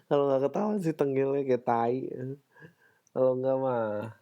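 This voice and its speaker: A young man hosting a casual solo podcast, playful and quick to laugh, sometimes mimicking other people's voices. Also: mid-range voice, dark tone. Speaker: podcast host.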